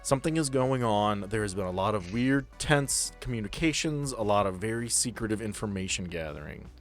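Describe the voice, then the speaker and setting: A man's voice: lowish voice, animated, fairly quick. A man working as game master of a role-playing podcast, explaining and narrating casually with joking, sweary asides, with music behind him.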